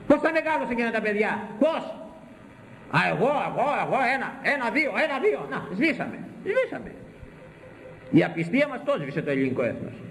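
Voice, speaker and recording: An older man preaching a sermon on scripture, animated and mocking, firing rhetorical questions at his listeners. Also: very high-pitched, a little hiss or hum. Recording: echoey room.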